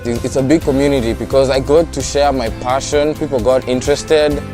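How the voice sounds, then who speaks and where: A man from Kenya, an international student, giving relaxed advice in a testimonial. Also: mid-range voice, normal speed. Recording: music bed behind voice.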